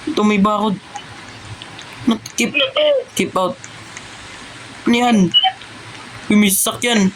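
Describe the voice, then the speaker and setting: An excited host in a game role-play who barks quick commands and repeats words. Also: mid-range voice, slight background noise. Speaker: gamer host.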